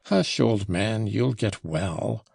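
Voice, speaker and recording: A man voicing a proud, impulsive schoolboy in an audiobook, with an abrupt, hurried and brusque manner. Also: lowish voice, lively intonation, creaky, warm tone, breathy edge, no echo, clean studio sound, heavily acted. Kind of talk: audiobook character voice.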